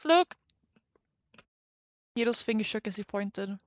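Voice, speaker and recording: A woman's voice: mid-range voice, fairly even intonation, normal speed, vocal fry, a little hiss or hum. Woman streamer reading a game story aloud. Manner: reads narration and does all the parts.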